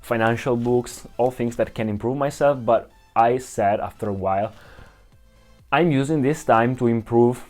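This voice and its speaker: A man's voice: medium pitch, moderate pace, darkish tone, faint music behind. A young man from Italy with an Italian accent, talking casually to camera in English, often restarting and searching for words. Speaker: vlogger.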